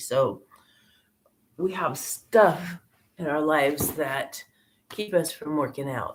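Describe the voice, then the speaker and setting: A woman speaks at a very slow pace in a relaxed tone. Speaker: fitness instructor. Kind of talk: workout instruction. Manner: casual, relaxed.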